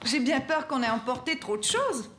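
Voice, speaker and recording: A woman voicing a caring young mother in a French cartoon, speaking in a gentle, encouraging way. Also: high voice, big pitch swings, moderate pace. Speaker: mom of a small boy.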